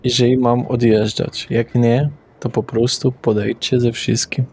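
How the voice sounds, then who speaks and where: A man narrating a tabletop game as its game master, his voice sitting in an ordinary middle pitch. He describes places loosely, pausing on fillers and correcting himself as he goes. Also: little pitch movement, a little mellow, breathy edge.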